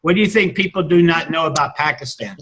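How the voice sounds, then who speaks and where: A man, a teacher chatting casually and haltingly with many restarts and fillers. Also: a little high, fairly bright tone, husky. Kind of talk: casual video-call chat.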